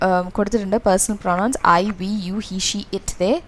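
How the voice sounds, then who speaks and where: A woman's voice: mid-range voice, fairly even intonation, takes it slowly. A woman with a Malayali accent coaching students through exam revision, explaining in a mix of Malayalam and English with many fillers. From Kerala, India.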